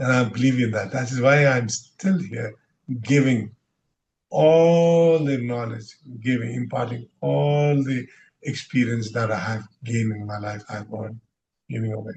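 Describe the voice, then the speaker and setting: Here a man speaks at a medium pitch and a fairly slow pace. His voice is somewhat breathy, with ordinary pitch variation. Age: 60s. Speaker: airline pilot. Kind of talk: casual interview chat.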